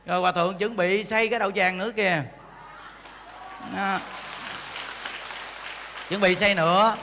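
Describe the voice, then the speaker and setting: A man giving an animated, joking dharma talk as a Buddhist monk teacher, acting out voices and quizzing the audience. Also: high voice, normal speed, a crowd in the background, background noise. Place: temple hall. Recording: long hall reverb.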